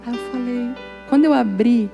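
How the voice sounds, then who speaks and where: A woman's voice: on the high side, moderate pace, in a large hall, over music. A middle-aged woman pastor, preaching and telling personal stories, acting out dialogue and joking with the congregation. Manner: storytelling, acts out dialogue, jokes with congregation.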